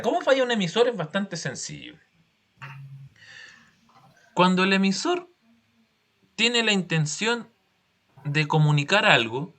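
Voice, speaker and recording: Animated Chilean male teacher. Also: a little high. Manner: patient, explanatory, uses examples and check-in questions. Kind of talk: classroom explanation.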